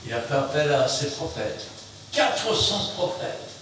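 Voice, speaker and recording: A man preaching an emphatic sermon, swinging between loud outbursts and quiet asides. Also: a little high, very animated, measured pace. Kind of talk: fiery sermon. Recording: very echoey room, mic far off, faint noise.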